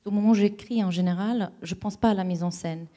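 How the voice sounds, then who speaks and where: A woman answering interview questions, her voice mellow and warm. She talks thoughtfully and searches for the right words, often restarting her sentences. Her pitch sits in an ordinary middle range. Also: brisk. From Romania. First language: Romanian. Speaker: playwright and director, guest.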